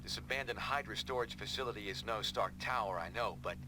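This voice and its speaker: A man's voice: lowish voice, brisk, lightly acted. A man voicing a noble, steadfast resistance commander in a video game, earnest and rallying. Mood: earnest, resolute. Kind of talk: video game cutscene dialogue. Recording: steady noise behind the voice.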